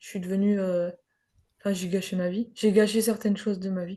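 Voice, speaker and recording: A woman speaks at a moderate pace in a dark, mellow, somewhat breathy tone. Her intonation stays flat and monotone. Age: 30s. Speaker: hypnosis client. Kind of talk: therapy interview. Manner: halting.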